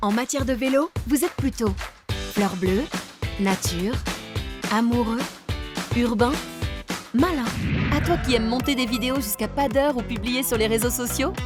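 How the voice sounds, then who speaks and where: Over music in the background, a woman speaks slowly with long, frequent pauses. Her pitch is fairly high, with ordinary variation. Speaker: voice actor. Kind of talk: TV commercial read. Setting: studio.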